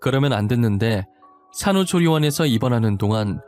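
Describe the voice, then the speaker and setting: Expressive man narrating a first-person story. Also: mid-range voice, a little fast, faint music behind. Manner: confessional, expressive.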